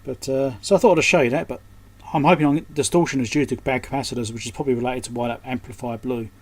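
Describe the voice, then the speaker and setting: A man's voice: medium pitch, steady tone, fast, darkish tone. A man giving casual hands-on repair commentary, muttering and thinking aloud as he works at a workbench. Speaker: electronics repairer presenting his repair. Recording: clear background noise.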